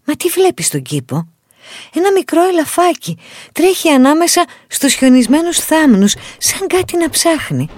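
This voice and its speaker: A woman narrating a children's Christmas story in an expressive, animated way. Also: high-pitched, no room sound, clean studio sound. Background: soft music.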